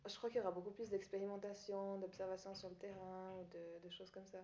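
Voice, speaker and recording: A young woman whose first language is Italian answers an interviewer's questions, pausing often and restarting her sentences. Her voice is mellow and fairly flat in tone, set in an echoey room. The recording sounds dull and slightly lo-fi. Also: mid-range voice, a little hiss or hum. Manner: hesitant, many fillers and restarts. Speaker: student teacher.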